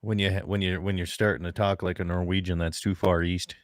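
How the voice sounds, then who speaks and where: Folksy low-voiced radio host. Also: male voice, little pitch movement, a little fast, dry recording, clean studio sound. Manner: folksy joke-telling, loud upbeat on-air delivery. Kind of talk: casual chat, then radio show opening. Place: front porch of a ranch.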